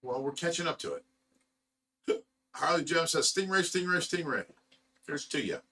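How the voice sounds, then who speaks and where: Male livestream host, bright tone, banter and laughs, slightly distant from the mic. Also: fairly high pitch, expressive, moderate pace, husky. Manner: laughs often, jokey banter. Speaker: livestream host reading chat. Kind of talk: casual livestream chat. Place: indoors at a fish rescue.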